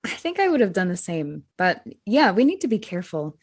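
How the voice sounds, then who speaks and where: Brisk and very animated, a mid-range female voice belongs to an English teacher from Rhode Island co-hosting a podcast for teachers. The discussion is scripted, and she speaks earnestly, reasoning aloud with rhetorical questions.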